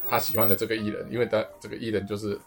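A man with a Taiwanese Mandarin accent in casual podcast chat, explaining haltingly and often repeating his words. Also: fairly low pitch, flat delivery, gravelly, faint music behind. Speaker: podcast co-host.

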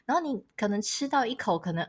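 Lively woman with a bouncing voice. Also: on the high side, fast. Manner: lively storyteller, laughs often. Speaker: podcast co-host. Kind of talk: casual chat. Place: lives in Australia.

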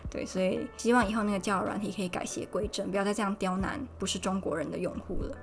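A woman's voice: medium pitch, fast, soft background music. A young woman from Taiwan hosting a casual solo podcast, chatty and retelling conversations. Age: young adult. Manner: chatty, recounts dialogue with animated quoted voices. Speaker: podcast host. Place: Poland.

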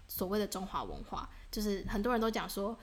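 A woman's voice: mid-range voice, very animated, brisk. A young woman from Taiwan co-hosting a podcast, talking casually and thoughtfully with hesitant restarts. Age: young adult. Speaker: podcast co-host. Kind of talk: casual chat.

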